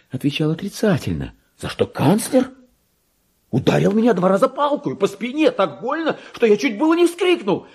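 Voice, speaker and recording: An actor playing a deluded clerk who believes he is a king, in a pompous, erratic, theatrical radio monologue that swings from hushed to shrill. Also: slightly rough, exaggerated voice. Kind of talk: dramatic literary monologue, Russian radio play.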